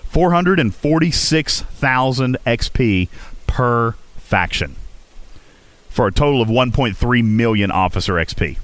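A man's voice: medium pitch, dry recording. A man from Virginia hosting a casual gaming livestream, chatting to viewers and answering their chat as he goes. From Virginia, USA. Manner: talkative, reads and answers viewer chat, keeps asking "okay?". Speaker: livestream host.

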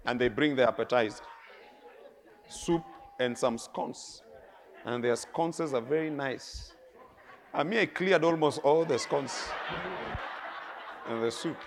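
A middle-aged man with a Kenyan accent, preaching a sermon with lively stories, laughing and swinging between soft and loud. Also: mid-range voice, slow, long pauses, slight background noise. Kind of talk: sermon with storytelling.

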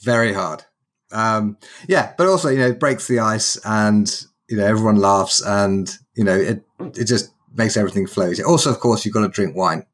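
A man's voice: lowish voice, moderate pace. A man, hosting a podcast in a chatty, humorous storytelling way. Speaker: podcast host. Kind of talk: casual podcast interview.

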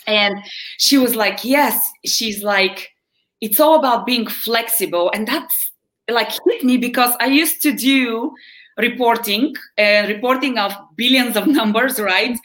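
A woman's voice: a little high, unhurried, a bit bright. A woman in her forties from Bulgaria with a Bulgarian accent, a wellness coach chatting as a podcast guest, laughing often and tagging lines with "right?". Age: 40s. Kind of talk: conversational interview.

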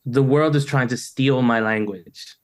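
Middle-aged new guy musing over a video call, lots of "you know", plain mid-pitched voice. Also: a little slow. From United States. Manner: thoughtful, loose, many "you know" fillers and restarts. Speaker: poet, interview guest. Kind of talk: reflective conversational interview.

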